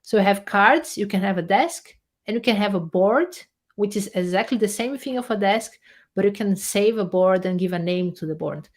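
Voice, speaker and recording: A woman researcher joins an online interview as a guest and demonstrates a note-taking app. She explains in an animated way at an ordinary middle pitch, often restarting as she clicks through the screen. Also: normal speed. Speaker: guest researcher and software developer. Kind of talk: casual interview and screen demo.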